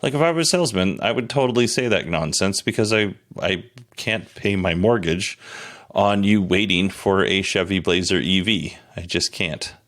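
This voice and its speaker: A man's voice: deep voice, moderate pace, a bit bright. A man hosting a podcast, giving casual, conversational news commentary in a candid, self-deprecating way. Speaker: podcast host.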